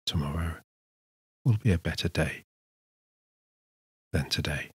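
Very deep-voiced man guiding sleep hypnosis. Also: slightly rough, no room sound, clean studio sound. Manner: slow, soothing, measured delivery with pauses. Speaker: hypnotist, guided meditation narrator. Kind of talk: scripted sleep hypnosis, soothing guided relaxation.

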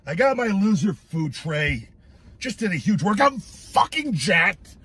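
A man's voice: sits high, very animated, measured pace, fairly bright tone, slightly rough, no echo. A middle-aged man vlogging a food review from inside his parked truck, swearing a lot and making fun of himself in a rambling way. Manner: crude, self-mocking, rambling. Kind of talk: casual profane car vlog.

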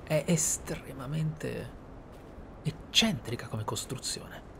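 A man from Italy reading and commenting on a video game in a measured, musing way. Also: medium pitch, lively intonation, creaky, noisy background. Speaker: gameplay streamer. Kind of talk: reading game texts aloud and roleplay commentary.

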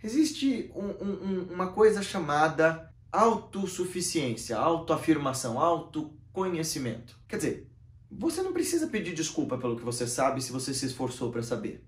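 This man from Brazil, in his thirties, hosts his channel from an armchair in a small room with bookshelves, speaking at a normal pace. He gestures a lot and keeps varying his pitch and volume through an animated philosophical talk to camera, recorded with roomy echo.

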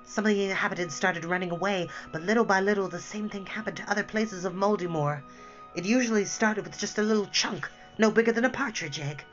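A reader voicing an anxious high-pitched will-o'-the-wisp. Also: a bit bright, muffled recording, soft background music, close to an everyday voice. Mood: worried explaining. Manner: anxious, breathless, rushing. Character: frightened fluttering will-o'-the-wisp spirit, male.

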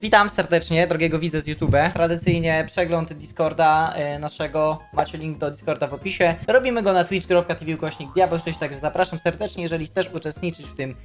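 A man's voice: fairly high pitch, a little fast, hardly any pauses, soft background music. A man hosting a stream, casually reacting to memes in a loose, profane way. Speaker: streamer host.

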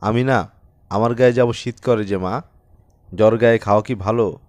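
A man voicing a hushed, tender farmer father. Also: on the low side, fairly even intonation, moderate pace, lightly acted. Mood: weary. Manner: soft, hushed pleading. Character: poor weary village farmer father, tender and anxious. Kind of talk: audiobook character reading.

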